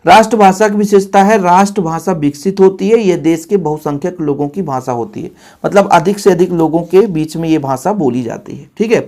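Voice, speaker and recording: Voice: mid-range voice, darkish tone. Casual coaching-class teacher who drills exam answers, speaks straight to the students and repeats each point for emphasis. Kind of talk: exam-prep grammar lesson.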